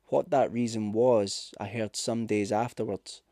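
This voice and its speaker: A man reading a scripted ghost story as narrator, with measured, dramatic delivery. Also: fairly low pitch, fairly even intonation, mellow, dry recording, studio quality. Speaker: audiobook narrator.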